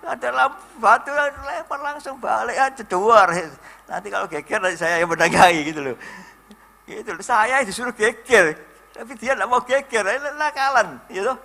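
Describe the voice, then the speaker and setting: Folksy pastor, bright tone. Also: male voice, sits high, moderate pace, gravelly. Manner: folksy and chatty, full of anecdotes and tag words. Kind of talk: sermon.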